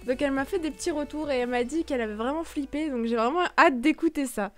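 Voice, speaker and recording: Une femme qui commente sa vidéo sur un ton de vlog décontracté. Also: female voice, sits high, quick pace, fairly bright tone, soft background music. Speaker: video host.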